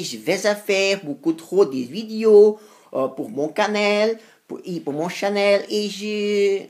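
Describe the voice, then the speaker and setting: A woman who is a non-native beginner in the language, talking unscripted to practice for a channel, halting and repeating phrases as she searches for words. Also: fairly low pitch, darkish tone. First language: not French. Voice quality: non-native, beginner French with frequent errors. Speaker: language learner making practice videos for own channel.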